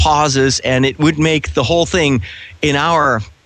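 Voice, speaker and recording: At a moderate pace, a man with a fairly high pitch talks as noticeable noise fills the background. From Netherlands. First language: Dutch. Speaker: priest and podcaster. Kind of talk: casual interview chat. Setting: Skype call. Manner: hesitant, repeats words.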